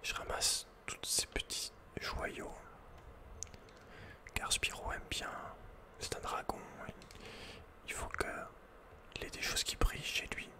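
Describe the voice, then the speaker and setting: A man whispering breathily as an ASMR host playing a video game, chatting informally with playful asides.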